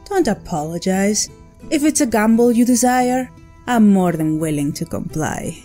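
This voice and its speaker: A woman's voice: medium pitch, lively intonation, unhurried, dark tone, faint music behind, natural voice. A woman playing a sly soulless witch. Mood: confident. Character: cunning soulless witch, calm, sly, Spanish-speaking. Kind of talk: audio drama acting.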